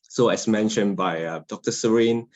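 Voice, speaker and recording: A man from Malaysia, a university lecturer, giving a polite, measured presentation from slides. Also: on the low side, darkish tone. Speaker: guest lecturer. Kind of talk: presentation over a webinar. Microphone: video call. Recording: dull lo-fi video call audio.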